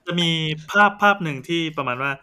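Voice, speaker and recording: A man co-hosting a tech podcast, throwing in quick, blunt reactions. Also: on the high side, bright, forceful tone. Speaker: podcast co-host. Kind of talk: casual tech podcast chat.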